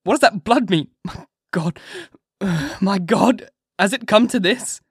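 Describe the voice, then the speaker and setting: A man's voice: high voice, expressive, slow, husky, dry recording, pitched above the performer's own voice, exaggerated voice. Man doing a desperate husband, raised voice, crying out, dry sound, storybook. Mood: frantic alarm. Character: young husband, dazed then frantic.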